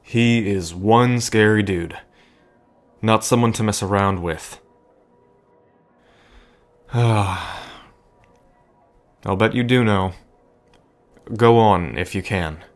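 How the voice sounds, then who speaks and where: Casting: actor for a poker boss's cautious right-hand man, lowish pitch, dry and deliberate, wry, audio drama. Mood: wary. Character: wry, cautious male sidekick of a poker boss. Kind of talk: scripted audio drama dialogue.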